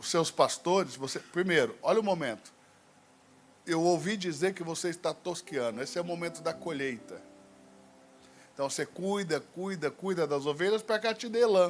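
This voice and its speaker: Music plays behind a high-pitched man who speaks at a moderate pace with lively intonation and long, frequent pauses. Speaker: pastor. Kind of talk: sermon. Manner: animated.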